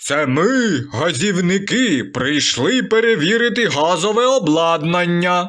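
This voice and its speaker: In a put-on character voice pitched high, a man speaks at a fairly slow pace on a very clean recording with a silent background. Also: lively intonation. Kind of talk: rough. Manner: feigned official tone.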